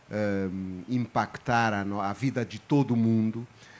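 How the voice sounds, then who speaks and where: Medium-pitched man at a fairly slow pace with fairly even intonation. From Portugal. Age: 50s. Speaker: writer and newspaper columnist. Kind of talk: talk at a literary festival. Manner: hesitant, with many fillers and restarts.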